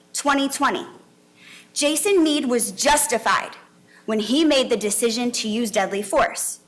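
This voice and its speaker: A woman defense attorney giving a formal opening statement to a jury in deliberate, separated phrases. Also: a little high, fairly bright tone.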